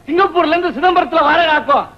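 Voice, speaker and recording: A boastful braggart back from abroad. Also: male voice, extremely high pitch, fast, dull audio. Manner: bragging, showy drawl. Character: boastful middle-aged man back from the Gulf. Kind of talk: 1990s Tamil film comedy.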